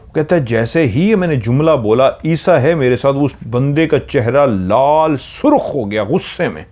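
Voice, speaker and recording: A man's voice: medium pitch, expressive, moderate pace, a little mellow. Man dramatically retelling a horror story. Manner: dramatic retelling with self-corrections.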